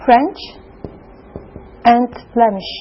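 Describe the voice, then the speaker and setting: A woman's voice: fairly high pitch, drawn-out words, dull audio, slight background noise. A woman assisting in an English class, giving short, careful answers in scripted dialogues. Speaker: class assistant playing learner roles.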